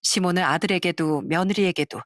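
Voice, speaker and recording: A woman's voice: on the low side, a little fast, no room sound, clean studio sound. A woman narrating a first-person family story in a conversational storytelling manner.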